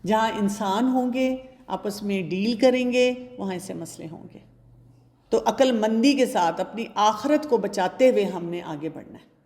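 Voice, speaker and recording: A woman gives calm, advising talk on parenting and faith, turning to her listeners directly. Her voice carries a long reverb off the hall. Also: medium pitch. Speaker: speaker answering audience questions.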